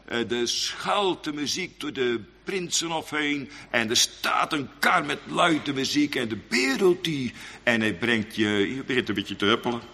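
A man preaching a sermon in a dramatic, emphatic style, with sudden loud outbursts. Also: mid-range voice, animated, a little slow, husky, in a large hall.

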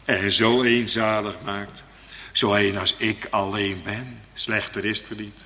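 Male preacher, sharp bright voice, moves from hushed to fervent; long hall reverb. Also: flat delivery, slow pace, husky. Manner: swings between hushed low passages and loud impassioned high pleas. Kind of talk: sermon.

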